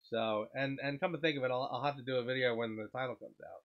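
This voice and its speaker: A man hosting a casual livestream, stuffed up and sniffling, clearing his throat often and rambling as he answers viewer chat. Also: mid-range voice, fairly even intonation, fast, highs cut off. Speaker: livestream host.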